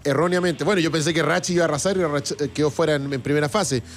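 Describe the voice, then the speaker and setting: Man, Chilean accent, radio host, enthusiastic, restarts often, higher pitch, soft music underneath. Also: steady tone, rapid-fire. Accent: Chilean Spanish. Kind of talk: casual radio chat reading listener comments.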